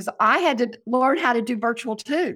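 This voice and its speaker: A woman with an American accent, her tone animated, her pace moderate and her pitch variation ordinary. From Oklahoma, US. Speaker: talent booker and professional speaker. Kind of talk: interview. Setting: video call.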